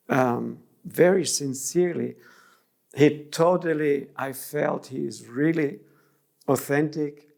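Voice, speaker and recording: A man's voice: medium pitch, creaky, darkish tone. A middle-aged man from Germany, an interview guest speaking thoughtfully and restarting phrases mid-sentence. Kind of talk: reflective interview.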